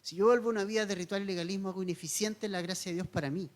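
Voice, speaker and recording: A pastor speaking rapid-fire in a high, steady voice gives a verse-by-verse sermon, explaining earnestly, asking his listeners questions and hammering home key points.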